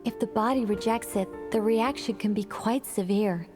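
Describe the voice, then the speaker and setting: An actress playing a self-assured, verbose woman scholar in an anime game, speaking in a formal, measured and articulate way. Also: mid-range voice, lightly acted. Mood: matter-of-fact. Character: poised, self-assured female scholar, verbose and dryly polite. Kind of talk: anime game voice acting, expository. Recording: game music playing behind.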